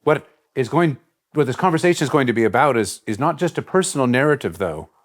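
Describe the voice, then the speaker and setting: A man hosting a reflective long-form interview, speaking in a measured, hesitant way with winding sentences. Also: medium pitch, expressive. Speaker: interview host, head of a college.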